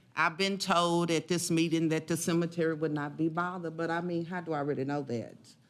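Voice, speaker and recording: Speaking at a moderate pace with a rural Tennessee accent, a woman has a fairly low pitch on a very clean recording with a silent background. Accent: US Southern, rural Tennessee. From Tennessee, rural Gallatin area. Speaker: resident speaking at public comment. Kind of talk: public comment at council meeting.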